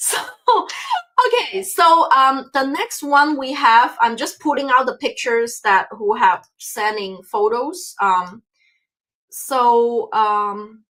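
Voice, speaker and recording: With a non-native accent, a woman speaks at a very slow pace in a bright, sharp tone with lively intonation. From China. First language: Chinese. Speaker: spiritual reader and author. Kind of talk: live psychic message reading. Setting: livestream. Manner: halting with many fillers.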